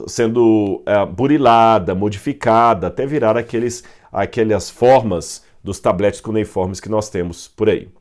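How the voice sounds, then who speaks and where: A man with a Brazilian Portuguese accent gives a Bible history lesson in a lowish voice. He explains step by step, often pausing on fillers and correcting himself mid-phrase. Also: darkish tone. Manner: digressive, with fillers and self-corrections. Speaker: Bible teacher. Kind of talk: explaining at a whiteboard.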